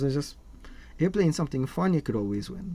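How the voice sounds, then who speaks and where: In a Trinidadian accent, a man speaks in a sing-song way with a dark, mellow tone. The recording is very clean, the background silent. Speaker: gaming YouTuber. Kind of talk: casual channel intro monologue. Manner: sing-song intonation.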